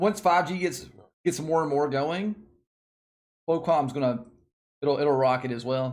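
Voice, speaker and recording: With an animated tone and ordinary pitch variation, a man speaks at a fairly slow pace with long, frequent pauses. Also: fairly high pitch for a man. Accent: Southern US. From Tennessee, Nashville. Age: 30s. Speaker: stock streamer. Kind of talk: live stream chat. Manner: casual, animated.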